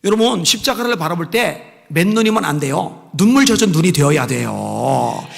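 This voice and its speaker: A man pastor preaching a sermon with impassioned swings between soft pleading and raised exhortation. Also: on the high side, very animated, moderate pace, vocal fry, long reverb tail.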